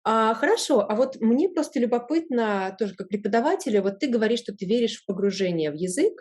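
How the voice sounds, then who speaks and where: A woman hosting an interview, asking curious, engaged questions. Her pitch swings widely and keeps her speech animated. She speaks as a fellow teacher. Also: fast. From lives in America. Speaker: host, language teacher. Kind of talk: interview chat.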